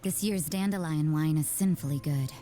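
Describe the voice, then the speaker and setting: An actress voicing a cool, jaded young nun who works in the shadows, in measured, blunt, unsentimental game dialogue. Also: female voice, low voice, warm tone, natural voice. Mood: aloof, dry. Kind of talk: scripted game character voice lines. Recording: background music under the voice.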